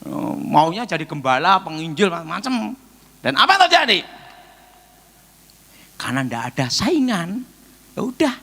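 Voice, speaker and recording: Animated evangelist man preaching. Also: sits high, creaky, husky. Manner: animated storytelling, acts out dialogue, shouts prayers. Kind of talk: sermon testimony.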